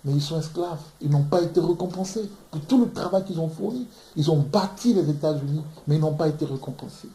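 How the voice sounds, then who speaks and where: A man's voice: on the high side, a little fast, few pauses, warm tone. A man from Ivory Coast preaching on scripture in an emphatic way, often repeating words as he searches for them. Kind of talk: impassioned bible teaching. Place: room in London. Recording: echoey room.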